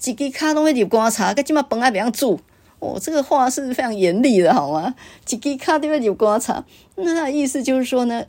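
A woman's voice: mid-range voice, breathy edge. A middle-aged woman with a Taiwanese Mandarin accent hosting a podcast, telling stories and reflecting on how scolding gets passed down. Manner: storytelling, quoting her father's sharp remarks. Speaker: podcast host. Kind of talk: reflective monologue.

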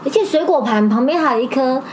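Higher-voiced, lively Taiwanese-accented woman. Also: fast, a little hiss or hum. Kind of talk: casual chat.

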